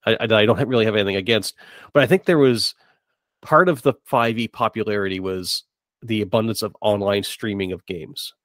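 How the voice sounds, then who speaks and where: A man's voice: fairly low pitch, brisk, fairly bright tone, no echo, studio quality. A middle-aged man in casual podcast discussion, hesitant and repeating words as he works out his thoughts. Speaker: podcast host. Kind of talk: casual discussion of tabletop gaming.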